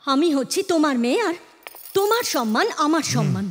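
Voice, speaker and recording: A defiant young daughter. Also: female voice, sits high, very animated, brisk. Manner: pleading, then earnestly defiant. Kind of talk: dubbed film dialogue. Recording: film soundtrack with reverb.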